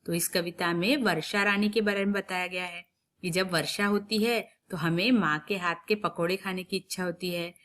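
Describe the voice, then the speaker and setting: A woman teaching young children a recorded lesson, explaining patiently step by step and drawing out sounds slowly for them to repeat. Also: on the low side, fairly even intonation, a bit bright. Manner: slow, drawn-out drilling of sounds, repeated for children to copy. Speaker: primary school Hindi teacher.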